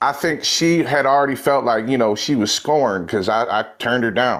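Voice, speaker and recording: At a moderate pace, a man speaks in a medium pitch with ordinary pitch variation and very even loudness. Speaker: live-stream host. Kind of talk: casual chat.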